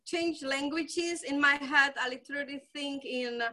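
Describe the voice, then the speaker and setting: A middle-aged woman from the Czech Republic, a native Czech speaker, talking as a healer guest in halting English, effusive and laughing often. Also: high voice, fairly even intonation, pushed and bright. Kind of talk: conversational interview.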